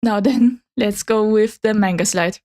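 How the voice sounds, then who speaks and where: A woman's voice: medium pitch, measured pace, a little mellow. A woman whose first language is Chinese, chatting casually and a little awkwardly as a new VTuber streamer presenting slides. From Germany. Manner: hesitant, slightly awkward, apologetic.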